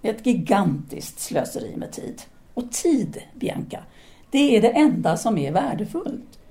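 A woman's voice: a little high, big pitch swings, mellow. A woman playing a self-assured, seductive philosopher-teacher in an audio drama, speaking in an articulate, formal, lecturing manner. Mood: earnest, philosophical. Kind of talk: audio drama dialogue acting.

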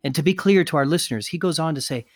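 In a conversational podcast he co-hosts, a man earnestly reads quotes aloud, pausing and restarting here and there. His voice is a little high, captured with clean, echo-free studio sound.

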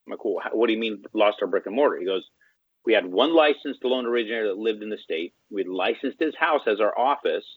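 A man with a low, husky voice tells a story as an interview guest in a loose, casual way. He acts out the quoted lines of the people in it as he goes. The sound is thin and tinny like a phone line, and dry, with no room echo. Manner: animated, acts out quoted dialogue.

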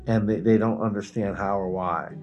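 Low-voiced man, casual podcast storyteller. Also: fairly even intonation, normal speed, a little mellow, faint music behind. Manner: profane, informal, emphatic. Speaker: podcast co-host.

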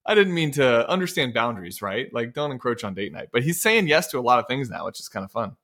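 Bright-voiced man in casual banter. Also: mid-range voice, big pitch swings, quick pace. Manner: joking, self-deprecating. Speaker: podcast co-host. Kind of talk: casual chat.

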